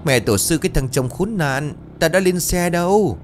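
Furious young wife, man voicing her, yelling, cursing, high strained pitch. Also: animated, normal speed, slight background noise, close to an everyday voice.

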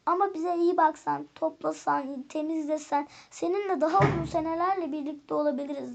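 A woman reading a storybook, voicing the oldest toy, a sad and wise white teddy bear who speaks gently. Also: very high-pitched, animated, normal speed, muffled recording. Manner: gentle rhyming, sorrowful pleading.

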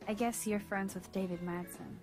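A woman's voice: mid-range voice, steady tone, normal speed, over music, natural voice. A young woman voicing an observant teenage student in a video game, with dry, wry musings.

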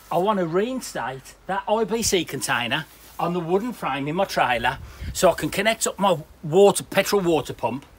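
Out in his garden, a UK smallholder vlogger rambles bluntly to a handheld camera in casual chat. His voice is fairly high-pitched and husky.

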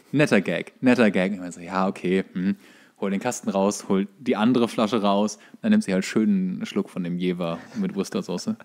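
A man's voice: lowish voice, a little mellow. A man co-hosting a podcast, recounting anecdotes in colloquial, conversational speech. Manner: colloquial, acts out dialogue in stories. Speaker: podcast co-host. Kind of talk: casual chat, anecdotes.

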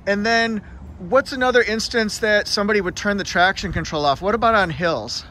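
A man's voice: high-pitched, a little fast, sharp tone, a little hiss or hum. A man interviewing a mechanic off camera, asking questions in an upbeat, joking way. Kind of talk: dealership video interview.

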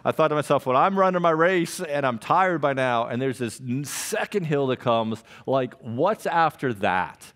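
A man in his forties preaches from a church stage into a headset mic, moving around and gesturing widely. His voice sits at an ordinary middle pitch, and he tells stories with animated energy, voicing his own reactions as he goes. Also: moderate pace, hardly any pauses. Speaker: pastor. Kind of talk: sermon. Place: church stage with purple backlit wall.

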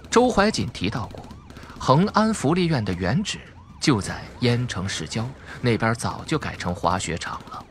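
A man's voice: mid-range voice, big pitch swings, normal speed, slight background noise. A man reading a suspense audiobook as a dramatic scripted narrator.

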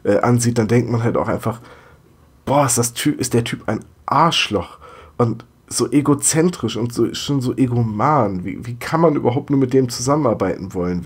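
Leicht erkälteter, heiserer Podcast-Co-Host. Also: male voice, mid-range voice, darkish tone, breathy edge. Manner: chatty, laughs, imitates voices. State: slightly congested from a cold. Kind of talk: casual podcast chat.

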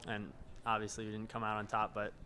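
A man's voice: on the low side, monotone, quick pace, background noise. A man in his early twenties, a college soccer player, answering hesitantly and matter-of-factly at a post-match press conference. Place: indoor press conference room, seated at table. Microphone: handheld microphone held close.

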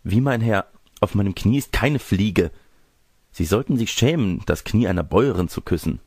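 Ein Mann spricht in einem Märchen ein naives, kokettes junges Bauernmädchen, das höflich und aufgeregt protestiert. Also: male voice, fairly low pitch, animated, moderate pace, darkish tone, husky, no room sound, clean studio sound. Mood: flustered, scolding. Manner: fussy, exclamatory, polite protests. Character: naive, coy, scolding young peasant girl.

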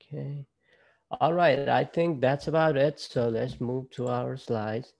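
A young man from Nepal with a Nepali accent, presenting casually to students on a video call through a laptop mic, halting and restarting often. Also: medium pitch, steady tone, vocal fry, a little mellow. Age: young adult. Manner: halting, with frequent fillers and restarts. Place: indoor room at home. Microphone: laptop webcam on a video call.

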